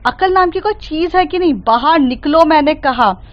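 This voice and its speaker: A woman's voice: high-pitched, expressive, moderate pace, muffled recording, pitched above the performer's own voice. A woman voicing a fierce, principled young woman who scolds angrily and keeps a formal, polite tone. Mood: furious.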